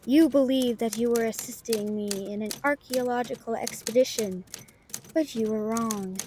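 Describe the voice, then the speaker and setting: A woman voicing a smug, menacing ancient male fantasy villain with slow, theatrical proclamations, as a writer reading out her story. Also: on the high side, mellow, a little hiss or hum, lightly acted. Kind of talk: novelist acting out dialogue of a fantasy story.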